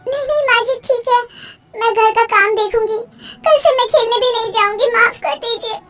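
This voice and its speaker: A woman's voice: very high-pitched, moderate pace, over loud music, pitched above the performer's own voice. A woman voicing a young village bride in a cartoon, earnest and eager as she talks. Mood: fearful, apologetic.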